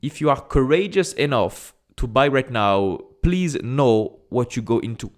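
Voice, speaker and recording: A man from France with a strong French accent, talking casually and directly to camera as an investing YouTuber, repeating phrases and often pausing on "uh". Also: medium pitch, animated. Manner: chatty and direct, repeats phrases, frequent "uh" fillers.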